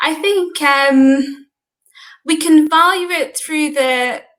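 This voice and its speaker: This woman speaks with a Scottish accent. Her pitch varies in an ordinary way. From Scotland. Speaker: conservation charity worker. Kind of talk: interview.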